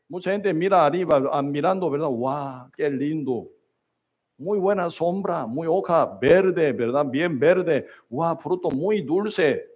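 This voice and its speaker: Slow, higher-voiced male preacher. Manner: keeps asking the congregation "¿verdad?" and "¿sí o no?"; emphatic, broken into short phrases. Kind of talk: sermon.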